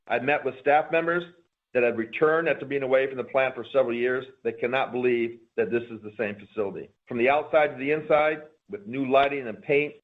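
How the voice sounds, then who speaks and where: A man reading a prepared corporate presentation in a formal, measured way, as a company executive on an earnings call. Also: mid-range voice. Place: conference call. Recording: narrow, phone-like conference call line.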